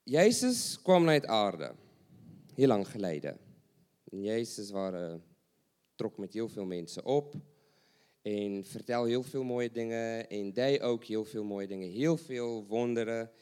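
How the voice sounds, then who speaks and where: Slow-paced male preacher. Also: on the low side, expressive, darkish tone, smooth. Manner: asks rhetorical questions and repeats phrases for emphasis. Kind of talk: sermon.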